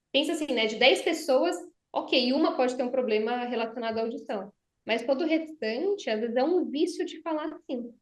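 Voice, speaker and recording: A Brazilian woman speech therapist explains voice technique, stopping to demonstrate. Her voice sits a little high. The room adds a noticeable echo. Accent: Brazilian Portuguese. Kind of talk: conversational explanation. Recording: roomy echo.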